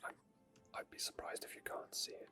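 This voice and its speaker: Casting: ASMR gaming creator who whispers throughout, bright breathy edge, right up on the microphone, unscripted and casual. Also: brisk, faint music behind. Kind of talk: whispered ASMR game commentary and chat. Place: indoor gaming setup at a computer. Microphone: microphone very close to the mouth.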